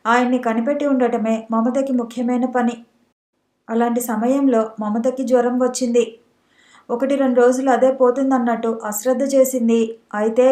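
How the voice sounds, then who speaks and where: A woman's voice: fairly high pitch, dark tone. A woman narrating an audiobook story steadily and evenly, in a roomy echo.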